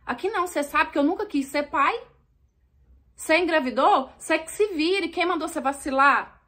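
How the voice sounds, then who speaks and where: A woman's voice: high voice, normal speed, pushed and bright, voice pushed up. A Brazilian woman quoting her blunt young boyfriend in a storytelling video, curt and scolding. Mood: angry. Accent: Brazilian Portuguese.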